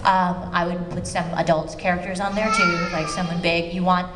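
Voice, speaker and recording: A woman's voice: on the low side, flat delivery, normal speed. A woman speaking as a voice actor at an informal workshop, explaining things conversationally with rambling asides. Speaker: voice actor giving a panel talk. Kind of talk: informal workshop talk to an audience. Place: convention panel room with audience. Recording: echoey hall, clear background noise.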